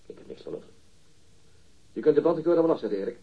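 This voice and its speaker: A man's voice: on the high side, animated, quick pace, heavily acted. An actor in a radio drama playing a stern male interrogator with a curt, cold manner. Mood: stern, dismissive. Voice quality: husky. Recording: dull, lo-fi radio sound.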